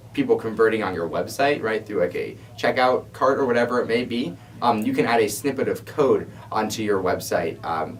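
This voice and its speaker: Low-voiced man explaining, slightly distant mic. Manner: explanatory, informal, frequent "you know". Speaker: co-host and ad support specialist. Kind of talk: conversational explainer for a Q&A show.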